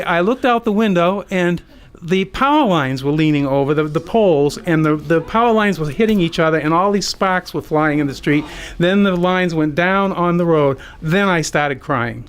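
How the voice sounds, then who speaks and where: An American man in his sixties telling an unscripted personal story on the radio in a conversational, amused way. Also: on the high side. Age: 60s. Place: community radio studio.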